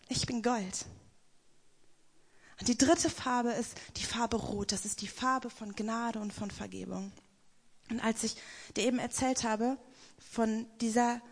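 Young woman with a husky voice. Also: a little high. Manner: emphatic, slows right down for quoted lines. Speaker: speaker giving a testimony. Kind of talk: spoken-word devotional talk.

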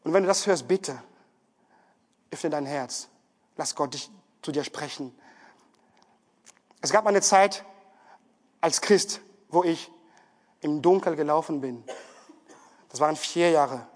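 A man's voice: a little high, slow pace, long pauses. A man giving an earnest, pleading sermon testimony in a church hall, often restarting his words.

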